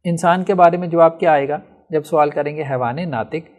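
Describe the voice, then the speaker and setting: A man with a high voice lectures on logic to his class. He moves patiently through each point, posing questions and answering them himself, and often stops to check that the students follow. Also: narrow, tinny audio. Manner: explains step by step, asks and answers his own questions; often checks with "theek hai". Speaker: teacher of logic.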